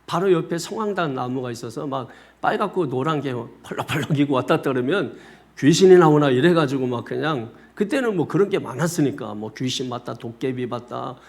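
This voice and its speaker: A senior pastor preaches in the church sanctuary, telling a personal story in a medium-pitched voice at a slightly fast pace. An animated storyteller, he often speaks directly to his congregation.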